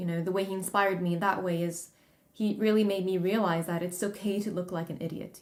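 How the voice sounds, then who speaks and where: A woman speaks with a slight British accent. Her pitch is fairly low and her intonation fairly even. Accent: slightly British-tinged. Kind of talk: casual talk to camera.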